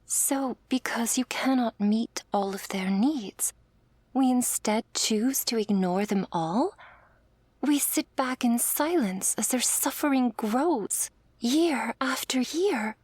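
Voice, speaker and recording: Actress as compassionate, questioning young female angel for ASMR role-play audio drama; husky-soft, hesitant, very dry close sound. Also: fairly high pitch, takes it slowly, dry recording. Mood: earnest, questioning. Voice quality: soft, breathy. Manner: earnest, hesitant.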